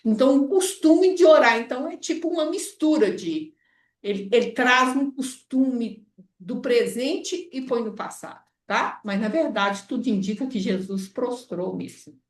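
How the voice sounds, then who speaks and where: Brazilian woman, Bible study teacher; lively, slightly high, recorded distant in a roomy space. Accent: Brazilian Portuguese. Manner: explains with frequent checks like "tá?" and "né?". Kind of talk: informal Bible study lesson. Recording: echoey room, voice off-mic.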